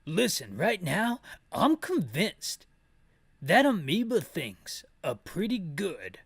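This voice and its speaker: A man's voice: sits high, wildly swooping pitch, slow, husky, no room sound, clean studio sound, full character voice. A man voicing an edgy, cool young male video game hero in an earnest, dramatic way. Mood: edgy, determined. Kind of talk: amateur character voice for game dialogue.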